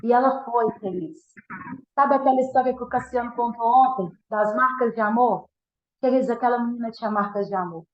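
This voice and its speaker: A woman's voice: fairly high pitch, brisk. A woman from giving an earnest, emotional testimony sermon, often restarting her sentences. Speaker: guest minister giving a testimony. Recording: roomy, dull church sound.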